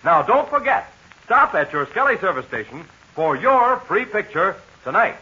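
A man's voice: high-pitched, big pitch swings, normal speed, pushed and bright. An American man announcing in scripted 1940s radio style, with an emphatic, chummy salesman's delivery. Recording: dull 1940s radio recording.

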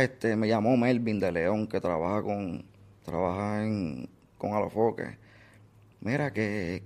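A man recalls a painful family loss as an interview guest, halting and full of fillers. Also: on the low side, darkish tone. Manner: halting, many fillers and restarts. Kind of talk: emotional personal recollection.

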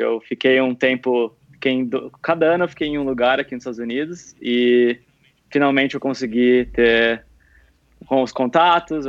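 Young male podcast guest, Brazilian Portuguese accent, medium pitch, relaxed conversational delivery, somewhat lo-fi home recording. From Piracicaba, São Paulo state, Brazil. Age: young adult. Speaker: podcast guest, professional triathlete. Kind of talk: casual interview chat. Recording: slightly dull, lo-fi remote recording.

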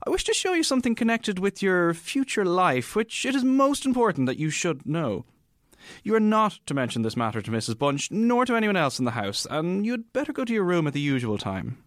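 A man playing a courteous, secretive gentleman guardian in an audio drama, formal and quietly commanding. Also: sits high, very animated, no room sound, clean studio sound. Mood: confiding, secretive. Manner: formal, measured, confidential.

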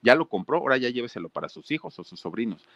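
A man putting on an angry, protective mother who scolds in rapid-fire refusals. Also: mid-range voice, sing-song, fairly bright tone, muffled recording, pitched above the performer's own voice. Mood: scolding. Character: angry protective middle-aged mother, shrill.

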